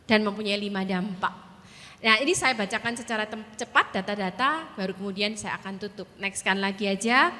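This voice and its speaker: Bright high-voiced woman teaching in a hall. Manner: animated, often addresses the audience directly, mixes in English words. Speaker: church workshop speaker. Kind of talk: conference teaching with personal stories. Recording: long hall reverb.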